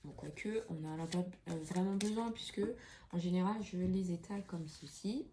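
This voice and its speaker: A woman's voice: lowish voice, normal speed. A woman reading oracle cards in a casual, chatty way, full of fillers and restarts, in a room with an open window. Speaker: tarot card reader. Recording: faint street noise through window.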